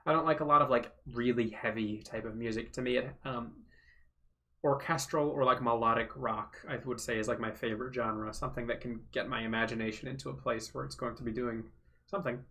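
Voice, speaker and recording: A man on a casual home livestream, answering viewers' questions in a loose, rambling way full of ums and likes. His tone is bright and forward, sitting in a middle pitch for a man. After hours of talk his voice is wearing hoarse. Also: steady tone, a little fast. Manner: rambling, filler-heavy, thinks aloud. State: voice going hoarse from long talking. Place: home room.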